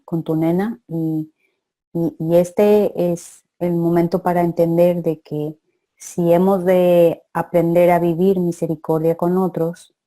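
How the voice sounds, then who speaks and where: A woman leading a women's faith session, responding to a participant in a calm, measured, affirming way. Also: fairly low pitch. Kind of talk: guided spiritual teaching.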